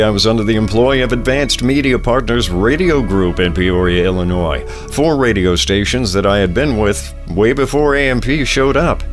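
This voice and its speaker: A middle-aged American man delivering scripted promotional narration in a polished announcer style, pitching himself as a voiceover and radio professional. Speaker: voiceover artist and radio production director. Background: music bed under the voice.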